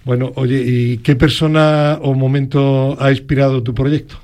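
A man's voice: medium pitch, level tone, a little slow, a little mellow. A man from Granada hosting an interview, chatty and hesitant with frequent fillers. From Granada, Spain. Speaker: radio host.

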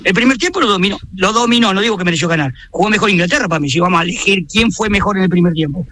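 A man's voice: sits high, racing, pushed and bright, a little hiss or hum. A man in his sixties from Argentina, with an Argentine accent, calling in to a radio show and giving his views with passion and emphasis. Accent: Argentine Spanish. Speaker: caller. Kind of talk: radio phone-in chat.

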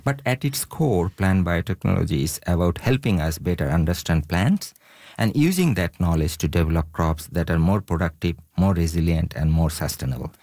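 A man's voice: sits low, expressive, normal speed, darkish tone, dry recording, studio quality. A man, a scientist speaking as a radio interview guest, earnest and full of "you know" fillers. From Bangladesh. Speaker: scientist, event organizer.

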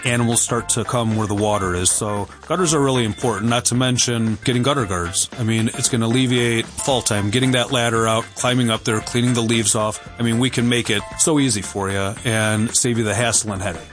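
A man who owns a home improvement company, giving a brisk sales pitch on a radio segment. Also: over music.

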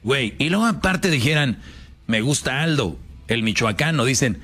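A man's voice: mid-range voice, lively intonation, normal speed, a bit bright. A man with a Mexican accent giving casual commentary as a show host, slangy and lecturing, with hesitant restarts.

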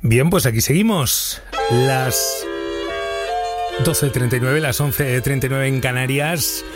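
A man hosting a late-night call-in radio show, calmly encouraging his caller. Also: medium pitch, takes it slowly. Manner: calm, encouraging interviewer. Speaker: radio host. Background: music.

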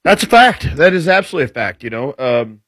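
A man's voice: a little high, sing-song, quick pace, a bit bright, breathy edge, no room sound. Easygoing forties male co-host, mid-range voice, dry close mic. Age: 40s. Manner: easygoing, rambling. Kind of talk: casual radio chat. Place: radio studio.

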